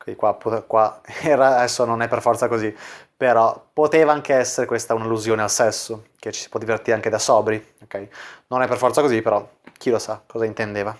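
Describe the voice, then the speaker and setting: A man's voice: lowish voice, steady tone, brisk. A man working as a dating coach, casually explaining chat screenshots and leaning on filler words as he talks. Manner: casual, full of "quindi" fillers.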